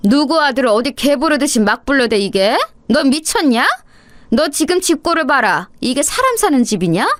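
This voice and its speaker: A woman voicing a furious older mother-in-law who shouts and berates her daughter-in-law in coarse words. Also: high voice, big pitch swings, moderate pace, no echo, studio quality, voice pushed up. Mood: raging scold. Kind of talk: dramatized story reading.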